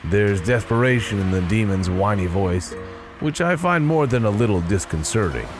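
A man's voice: on the low side, expressive, moderate pace, over music. A man narrating an audio drama in the first person with a dry, sardonic manner.

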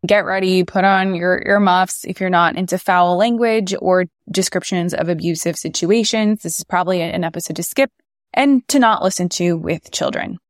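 A woman's voice: lowish voice, normal speed, no echo, studio quality. A woman hosting a podcast, giving conversational legal commentary in a blunt way. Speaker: podcast host.

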